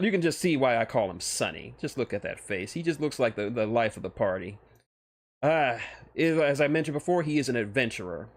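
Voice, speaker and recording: This is a man with a mid-range voice chatting casually on stream about his original fictional characters. He often breaks off and begins his phrases again as he explains.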